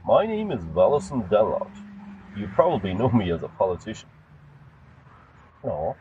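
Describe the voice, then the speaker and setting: Man voicing smug low-voiced money man, lively delivery. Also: normal speed, phone-quality sound, a little hiss or hum. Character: smug slow-talking man posing as a rich benefactor.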